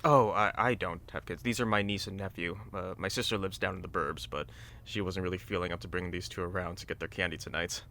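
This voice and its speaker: A kindly uncle, an off-duty police officer, in an audio drama. His voice is low and deep, and his manner is gently firm and natural. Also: fairly even intonation, fast talker. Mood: friendly.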